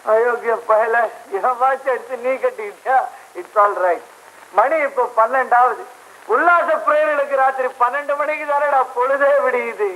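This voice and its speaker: Film role: a swaggering big spender, bossy, very high and bright voice, faint music behind. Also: male voice, fairly even intonation, moderate pace, low-quality recording. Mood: boastful. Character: reckless, boastful man spending freely at a dance club.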